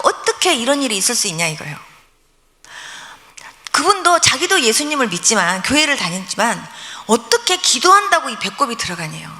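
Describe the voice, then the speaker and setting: Woman pastor, high and lively, storytelling sermon with acted-out prayers; long church reverb. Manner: animated storytelling, acting out prayers and dialogue. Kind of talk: testimony sermon.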